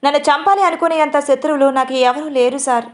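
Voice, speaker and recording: A woman's voice: sits high, steady tone, fast, close to an everyday voice. A woman voicing a confused but defiant young woman in an audio story, pleading and defensive.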